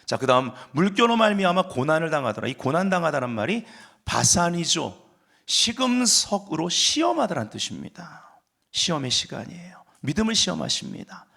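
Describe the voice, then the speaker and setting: A man's voice: on the high side, very animated, moderate pace, gravelly, bright, forceful tone. A man preaching a Sunday sermon as pastor, explaining scripture and rising to fervent emphasis.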